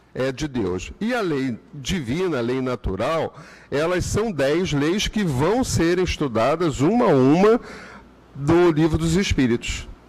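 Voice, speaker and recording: Against noticeable background noise, a man talks at a very slow pace. His fairly high pitch moves in very wide swings. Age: 70s. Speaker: spiritist lecturer. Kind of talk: religious lecture. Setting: spiritist centre hall.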